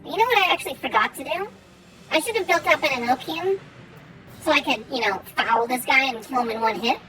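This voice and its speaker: A woman giving casual gameplay commentary and chatting with viewers in a rambling, halting way, her R's softened toward W. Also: high-pitched, expressive, low-quality recording. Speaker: game streamer. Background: faint music.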